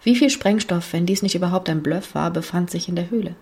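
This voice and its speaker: A woman narrating a thriller audiobook in a measured storytelling manner with hushed passages. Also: on the low side, vocal fry, slightly rough.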